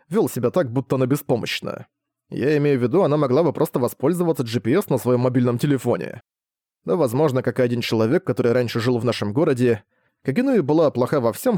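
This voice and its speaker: Mellow male audiobook narrator. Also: medium pitch, no room sound, clean studio sound. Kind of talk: reading a novel aloud.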